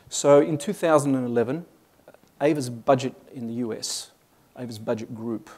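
A man in his forties with an Australian accent gives a business presentation from a conference hall stage. His medium-pitched voice is creaky and warm, and his talk is full of fillers and restarts.

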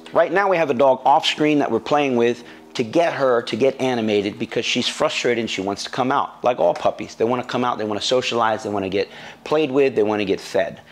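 A male dog trainer explains things to the viewer in a plain, direct coaching voice at an ordinary pitch. He is recorded up close on a wearable mic, standing beside a dog crate, and he repeats key words to drive the point home. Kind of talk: instructional video lesson. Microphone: wearing a lapel mic.

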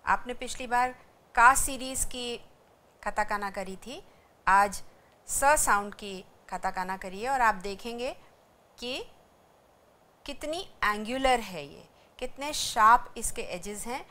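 Slow and a little high, with a sharp tone, a woman leads a language lesson as an educational lecture. Patiently, she explains and repeats each syllable individually so the students can practice along.

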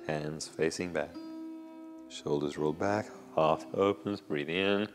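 Middle-aged male yoga teacher, unhurried and soothing; lapel mic in a reverberant studio. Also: extremely low pitch, music in the background. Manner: slow, soothing cues timed to the breath. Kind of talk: guided yoga class instruction. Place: indoor yoga studio with bare walls. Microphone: small clip-on lapel mic.

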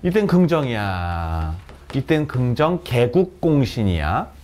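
In a cram school classroom full of students, a male Korean literature teacher gives a lecture, frequently asking questions and then supplying the answers. He speaks slowly in a mid-range, sing-song, slightly mellow voice, with a bit of hiss or hum in the audio.

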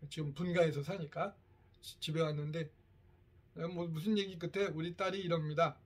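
Casting: husky middle-aged male teacher, a bit high-voiced, storytelling lecture to parents. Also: normal speed. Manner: lively storytelling, acts out quoted family lines. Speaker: teacher giving a parent workshop. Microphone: lecture recording, in front of a camera.

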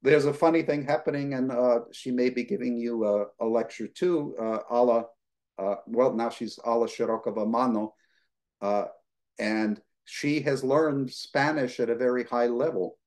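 An American man in his sixties, speaking as a guest lecturer on a video call from his living room, answers questions in a conversational Q&A. His medium-pitched voice moves at a moderate pace, and he's relaxed and rambling, with plenty of fillers.

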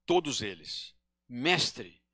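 An older man from Brazil gives a spiritist lecture from a podium into a handheld microphone. His voice is bright and slightly raised, and he speaks very slowly. He pauses often and corrects himself mid-sentence, and the sound stays dry and close despite the small hall. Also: medium pitch, sing-song, breathy edge. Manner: slow, halting, with many pauses and self-corrections. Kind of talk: devotional lecture.

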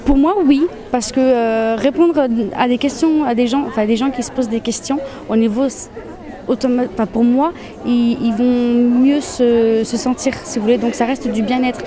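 A woman's voice: fairly high pitch, steady tone, normal speed. A woman organizer answering interview questions, hesitant and full of fillers. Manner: hesitant, many fillers and restarts. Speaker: event organizer. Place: busy exhibition hall. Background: crowd chatter.

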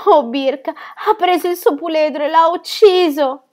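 A woman voicing a brave young robber's daughter, crying out in high, urgent, pleading bursts. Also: unhurried, a little mellow. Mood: desperate.

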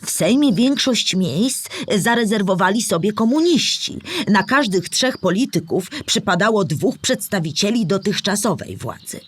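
A woman's voice: medium pitch, animated, normal speed, hardly any pauses, breathy edge, dry recording. A woman playing a storyteller who explains history to a child in a scripted children's audio play. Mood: explanatory.

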